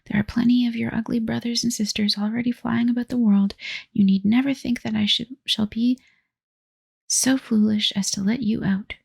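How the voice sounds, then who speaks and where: A woman voicing a curious, tearful young girl in a breathy whispered role-play. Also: a little high, fairly even intonation, normal speed, darkish tone, full character voice.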